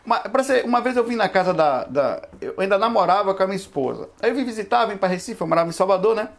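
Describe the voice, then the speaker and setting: High-voiced man giving a casual spiritual talk. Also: animated, quick pace, gravelly. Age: 40s. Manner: conversational, rambling, with frequent asides. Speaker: spiritualist lecturer. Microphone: camera microphone.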